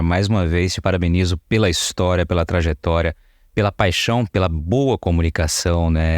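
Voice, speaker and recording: A man's voice: deep voice, no room sound, studio quality. A man hosting a podcast, closing the interview with casual praise for his guest. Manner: warm praise, casual address with "cara". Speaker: podcast host.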